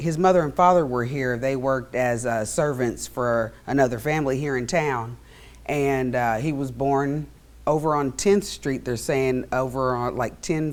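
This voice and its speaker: Speaking with a southwest Missouri accent, a woman talks fairly slowly at a very deep, low pitch with ordinary pitch variation. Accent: Midwestern US (southwest Missouri). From Joplin, Missouri. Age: 50s. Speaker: cultural society president. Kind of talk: casual interview. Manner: halting, with fillers.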